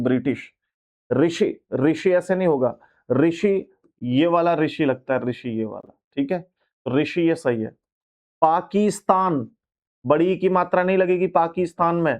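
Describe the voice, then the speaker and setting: A man's voice: on the high side, darkish tone, lo-fi sound. A man teaching Hindi grammar in an online exam-prep lesson. He talks casually and repeats each word several times as he checks that his students follow.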